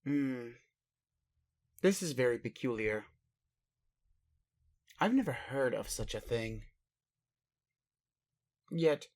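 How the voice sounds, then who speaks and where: Man playing a slow-spoken, puzzled alien caretaker. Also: mid-range voice. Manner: formal, halting, inquisitive, literal-minded. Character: puzzled, caring male alien caretaker aboard his spaceship. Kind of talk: roleplay audio addressed to the listener.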